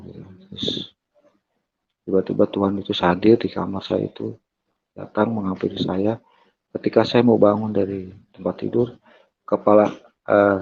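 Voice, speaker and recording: A man telling his personal testimony, hesitant and pausing often on fillers. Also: on the low side, vocal fry, mellow, breathy edge. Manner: hesitant, strings events together with many fillers. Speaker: guest giving a testimony. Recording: dull lo-fi recording.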